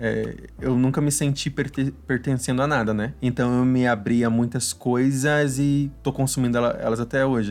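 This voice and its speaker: On a very clean recording with a silent background, a man speaks at a moderate pace with hardly any pauses, in a monotone, flat intonation at very even loudness. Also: medium pitch for a man. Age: 20s. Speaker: podcast guest, trained in vocal technique. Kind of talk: casual chat.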